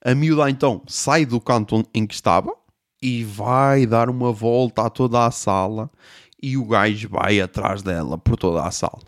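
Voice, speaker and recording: Animated man telling a story. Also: fairly low pitch, dry recording, clean studio sound. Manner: animated, swearing, sound effects. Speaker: podcast host. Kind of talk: comic storytelling.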